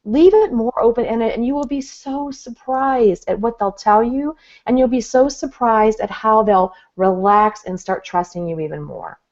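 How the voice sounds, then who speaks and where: A woman relationship coach giving a gentle, earnest teaching talk with examples. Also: on the high side, normal speed, few pauses. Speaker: guest expert, relationship coach. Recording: dull lo-fi audio.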